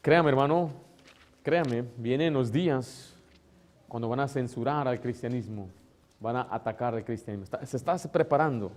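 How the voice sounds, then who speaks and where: A man preaching a sermon as pastor, emotional, moving between loud exclamations and soft, tender asides, sometimes acting out relatives in a higher tone. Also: moderate pace. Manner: acts out voices of relatives in a higher tone.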